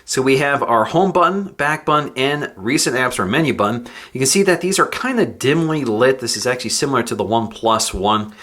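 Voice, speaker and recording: A man reviewing tech, calmly explaining each step of a phone unboxing as he goes. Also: medium pitch, fairly quick, hardly any pauses. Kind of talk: product unboxing walkthrough.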